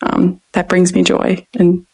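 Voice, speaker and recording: A woman in her thirties chats as a podcast guest in a Philadelphia accent. Her voice sits a little low and has a gravelly edge, and she laughs often between phrases. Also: completely flat delivery, measured pace, a little mellow. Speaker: guest, dietetics student. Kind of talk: casual interview chat.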